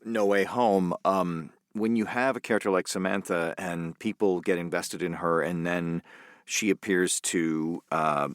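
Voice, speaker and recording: Podcast host, male, lower register, thoughtful, halting delivery. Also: steady tone, no echo, clean studio sound. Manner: reflective, restarts phrases often. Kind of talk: casual interview chat.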